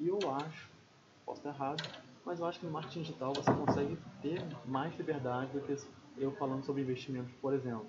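A man's fairly high voice at a very fast pace, broken by long, frequent pauses, with audible room echo and noticeable background noise. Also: ordinary pitch variation. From Brazil, Rio de Janeiro. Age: 20s. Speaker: blogger. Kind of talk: interview. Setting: at a conference event.

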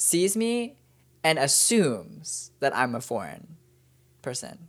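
A man with an American accent speaks at a very slow pace, leaving long, frequent pauses. His pitch makes very wide swings. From United States. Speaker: guest. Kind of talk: casual conversation.

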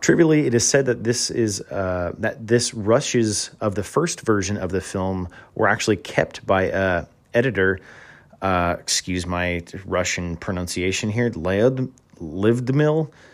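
In a normal speaking voice, a man talks at a fairly slow pace. His pitch is fairly low and his intonation lively. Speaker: solo podcast host reviewing movies and games. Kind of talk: casual monologue review.

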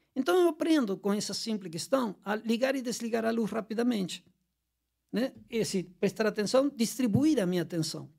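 A man with a Spanish accent speaks at a moderate pace in a high pitch, his intonation lively. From Argentina. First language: Spanish (speaking Portuguese). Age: 60s. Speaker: university professor of sport science. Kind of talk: interview.

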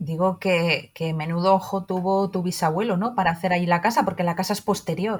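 A woman speaks at a fairly quick pace with hardly any pauses. Her voice is medium-pitched and somewhat breathy, with fairly even intonation. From Huesca, Aragon, Spain. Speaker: podcast host and novelist. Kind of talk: interview.

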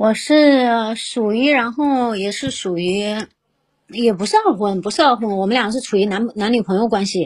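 Somewhat breathy, a woman speaks at a moderate pace in a fairly high pitch. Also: ordinary pitch variation. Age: 30s. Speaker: caller. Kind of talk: call-in advice chat.

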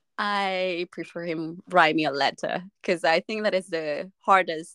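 A woman with a fairly low pitch and fairly even intonation at a moderate pace, in a dry, close sound with no echo and a quiet background. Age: 30s. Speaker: podcast co-host. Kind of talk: casual chat.

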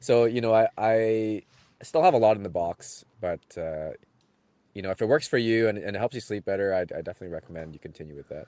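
A Canadian-accented man at a very fast pace, fairly low in pitch with a dark, mellow tone, lively intonation and big swings in loudness, in a dry, close sound with no echo. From Philippines, raised in Western Canada. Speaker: podcast co-host and nurse. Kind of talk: casual chat.

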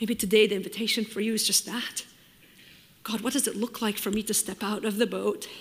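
Over noticeable background noise, a woman at a fairly high pitch talks at a fairly quick pace in a monotone, flat intonation. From Lebanon. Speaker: author and speaker. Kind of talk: sermon. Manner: fast; intense, high energy.

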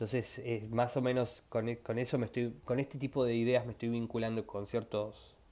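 A man's medium-pitched voice in an Argentine accent, flat and monotone throughout. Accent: Rioplatense Argentine Spanish. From Argentina. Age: 30s. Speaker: street artist. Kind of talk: casual interview.

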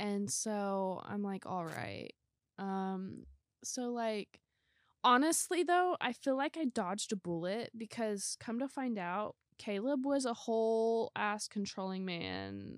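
Speaking at a very slow pace, a woman with a fairly high pitch is heard in a dry, close sound with no echo. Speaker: guest. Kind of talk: casual chat.

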